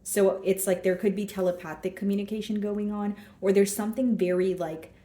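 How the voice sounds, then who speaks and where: A woman giving a casual tarot reading with a hoarse, scratchy throat, thinking aloud as she draws cards and talks straight to her viewers. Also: medium pitch, fairly even intonation, a little fast, mellow, roomy sound. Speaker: tarot card reader.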